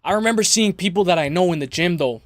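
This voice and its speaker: A man with a high, slightly raspy voice hosts a casual fight-talk livestream. He speaks in slangy, chummy phrases that he often repeats as he chats with viewers. The sound is close and dry. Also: fast, fairly bright tone, no room sound. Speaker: host of a live MMA preview stream.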